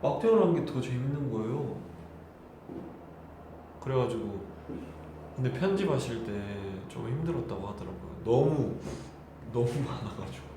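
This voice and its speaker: A young idol in his twenties laughs and chats politely with fans during a live stream. His mid-range voice is animated, at normal speed with frequent pauses, and the room is very echoey with clear background noise.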